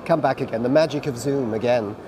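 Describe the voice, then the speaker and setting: A man's voice: medium pitch, brisk. A middle-aged British man moderating a live conference panel, chatty and self-deprecating. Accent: British English. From Britain. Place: conference pavilion stage. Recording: noisy live event feed.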